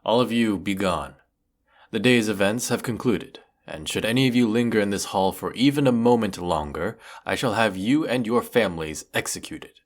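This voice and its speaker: An actor playing a weary, menacing galactic emperor in a sci-fi audio roleplay, speaking with pompous, theatrical formality. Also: male voice, normal speed, close to an everyday voice. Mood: commanding, threatening. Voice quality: low, gravelly. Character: weary, menacing galactic evil emperor, secretly fond of servant. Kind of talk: scripted audio roleplay monologue.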